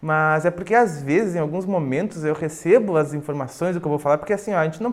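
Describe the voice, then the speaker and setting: The speaker is a man with a fairly high pitch. He talks at a fairly quick pace. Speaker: spirituality channel host. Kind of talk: casual spiritual Q&A talk. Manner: fast.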